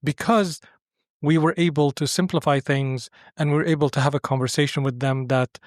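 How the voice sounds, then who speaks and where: Male podcast guest from Syria, slightly high voice, conversational and explanatory, close dry sound. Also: fairly even intonation, fairly quick, dry recording. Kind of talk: conversational interview answers.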